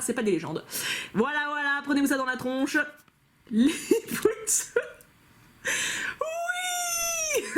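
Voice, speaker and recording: A playful, chatty woman, casually commenting and joking as she opens card packs. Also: fairly high pitch. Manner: playful, chatty, giggly, jokes to herself. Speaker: YouTuber opening trading card packs. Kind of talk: casual commentary while unboxing.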